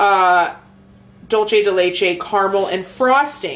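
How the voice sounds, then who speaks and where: A woman talks at a very slow pace and a medium pitch. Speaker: podcast co-host. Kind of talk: casual chat. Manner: animated.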